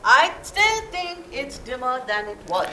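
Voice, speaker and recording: A woman acts out an assertive, argumentative woman in a stage play, speaking. Her high voice moves with lively swings over faint live-stage noise. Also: measured pace, heavily acted. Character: assertive, restless woman who argues back.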